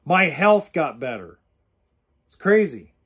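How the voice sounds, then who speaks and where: A man in his forties hosts his podcast in a blunt, earnest, plain-spoken manner. His voice sits a little high for a man, and he speaks close into a studio mic in an indoor room. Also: sing-song, takes it slowly, a bit bright, slightly rough. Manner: blunt, earnest straight talk with hand gestures. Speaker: podcast host. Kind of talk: casual direct-to-camera talk. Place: indoors in an RV or home kitchen. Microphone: studio mic with pop filter close in front.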